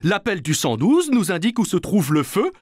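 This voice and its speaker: A man's voice: sits high, very animated, normal speed, darkish tone, no room sound, clean studio sound. A man voicing a friendly, hearty firefighter in a French-dubbed children's cartoon, explaining things simply and encouragingly to kids. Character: friendly, jovial adult male firefighter showing children around.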